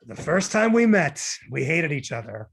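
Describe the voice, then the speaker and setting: A man's voice: fairly high pitch, very animated, normal speed, gravelly, fairly bright tone, slightly rough, full character voice. A man reading the part of a wry, neurotic man in love in a romantic comedy script. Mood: fond, reminiscing. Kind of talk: script table read. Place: virtual call from home.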